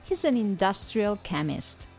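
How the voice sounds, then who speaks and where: A woman's voice: medium pitch, big pitch swings, a little slow, gravelly, darkish tone, soft background music. A woman hosting an English-learning podcast, talking in an upbeat, teacherly way. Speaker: podcast host.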